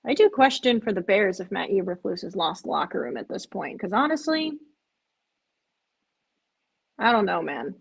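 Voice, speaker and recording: A woman's voice: medium pitch, lively intonation, moderate pace, vocal fry, pauses often, husky, poor audio. A woman hosting a live stream, chatting casually with viewers, sounding tired and rambling. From Chicago area. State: drowsy, yawning.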